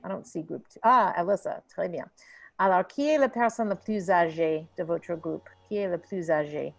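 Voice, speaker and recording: A woman's voice: fairly low pitch, moderate pace, vocal fry. A woman teaching an online French class over a video call, mixing French and English as she encourages her students.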